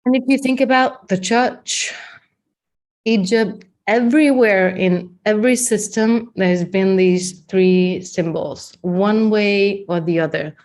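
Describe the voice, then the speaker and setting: A woman with a Danish accent teaching body language in a chatty, unhurried workshop talk, with many fillers and restarts. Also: mid-range voice, fairly even intonation, a little mellow. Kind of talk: live-streamed workshop talk.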